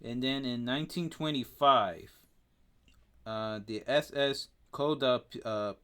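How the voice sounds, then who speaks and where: A man with a Spanish accent reads facts aloud on a casual podcast, slowly and haltingly. He trips over names and fills the gaps with hesitations. His voice sounds smooth and clear. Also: mid-range voice, sharp tone. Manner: halting reading, stumbles over names with frequent fillers. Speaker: podcast co-host.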